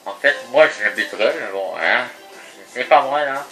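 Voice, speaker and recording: A man's voice: mid-range voice, moderate pace, faint music behind, rough recording. A man with a Québécois accent giving casual, joking commentary over his gameplay. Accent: Québécois French. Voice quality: lively, joking, mock sportscaster asides. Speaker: gaming video host. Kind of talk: casual let's play commentary.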